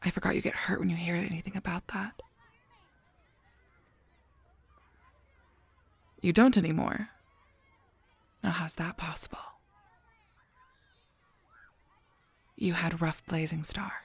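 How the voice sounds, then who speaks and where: Breathy, low-voiced solemn guardian angel played by a woman. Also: steady tone, no room sound, exaggerated voice. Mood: gently concerned. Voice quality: soft, breathy, often near a whisper. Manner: measured, halting, solemn delivery. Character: gentle, guarded female guardian angel counseling a fairy. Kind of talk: scripted audio roleplay drama.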